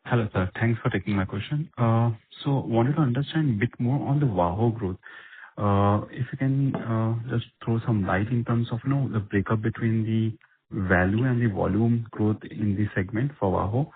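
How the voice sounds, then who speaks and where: A man's voice: lowish voice, moderate pace. A man, a financial analyst putting questions to company management on an earnings call. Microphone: phone. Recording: noisy, tinny phone line.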